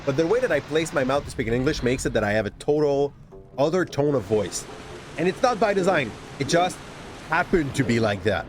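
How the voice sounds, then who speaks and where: A man's voice: medium pitch, animated, brisk. A man from Quebec with a light Québécois accent, rambling chattily while commenting on his gameplay. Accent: Québécois French. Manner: chatty, rambling, often restarts words. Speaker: gaming streamer. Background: game music.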